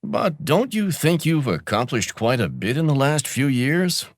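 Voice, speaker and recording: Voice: medium pitch, sing-song, measured pace, dry recording, clean studio sound. An actor playing an encouraging friend in a scripted textbook dialogue.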